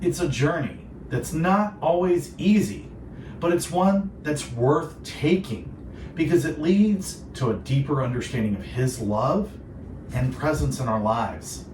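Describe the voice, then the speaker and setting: A man's voice: fairly high pitch, expressive, a little slow, darkish tone. A man hosting a devotional Christian radio show, speaking in an earnest, reflective and polished way. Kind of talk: devotional radio talk with co-host. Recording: roomy echo, distant, clearly noisy.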